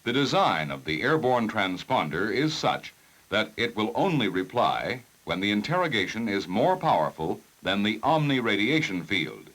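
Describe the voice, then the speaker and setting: Male narrator for vintage 1960s technical training film; lowish pitch, lively inflection, measured formal delivery, careful enunciation. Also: low-quality recording.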